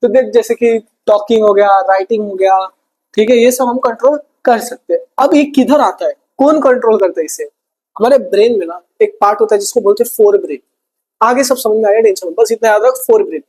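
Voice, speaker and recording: A man's voice: high-pitched, brisk, darkish tone, low-quality recording. Chatty male science teacher. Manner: chatty, addresses students as brother, repeats key terms. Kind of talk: exam-prep lesson.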